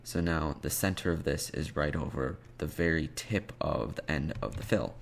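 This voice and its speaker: A man narrates a coding screencast as he works, thinking aloud in short, unscripted fragments. His voice is very low with a creaky fry, and he takes his time. Clear background noise sits behind him, with keyboard typing and mouse clicks. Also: normal speed. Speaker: programming tutorial presenter.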